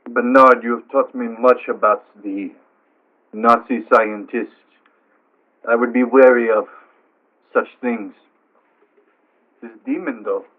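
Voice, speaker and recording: A man voicing a solemn, caring tree man of the swamp, with formal, deliberate phrasing through a phone-like filter. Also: mid-range voice, fairly even intonation. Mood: grave, warning. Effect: phone or radio filter. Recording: tinny narrow phone-like filter.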